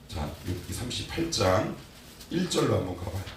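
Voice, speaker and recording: A male pastor preaching a sermon, asking his congregation rhetorical questions and swinging between loud and soft. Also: deep voice, very animated, moderate pace. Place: church sanctuary. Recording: very echoey hall, distant mic, faint noise.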